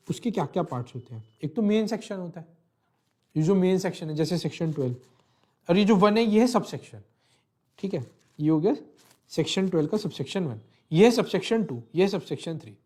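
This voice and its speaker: A man's voice: sits high, expressive, a little fast, warm tone. A man teaching a law lecture, mixing English terms into his talk and often checking in with the listener. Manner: explanatory, repeats phrases and checks with "thik hai"; mixes English legal terms into Hindi. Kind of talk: online lecture walking through a legal text.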